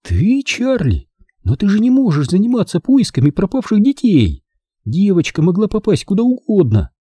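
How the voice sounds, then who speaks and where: Audiobook mother, soft and worried, higher voice, a man putting her on. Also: huge pitch swings, moderate pace, slightly rough, dry recording, clean studio sound, full character voice. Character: anxious, gentle mother, adult woman.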